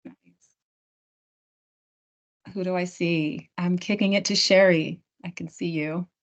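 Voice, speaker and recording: A woman's voice: fairly low pitch, fairly even intonation, slow pace. A woman training and hosting a virtual town hall, chatting casually with many fillers and restarts. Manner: chatty, filler-heavy, self-correcting. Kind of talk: casual presentation to partners. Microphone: video call. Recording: dull lo-fi video call audio.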